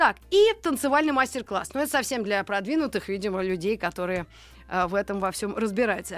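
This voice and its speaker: Her medium-pitched voice carries an animated tone as this woman speaks with lively intonation. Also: fairly quick pace. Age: 40s. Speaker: radio host. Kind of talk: casual chat. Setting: studio.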